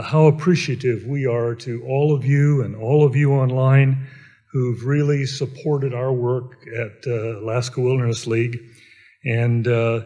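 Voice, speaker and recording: A man's voice: mid-range voice, mellow. A man giving thank-you remarks and introducing the next speaker, hesitant with many fillers. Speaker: event speaker introducing the director.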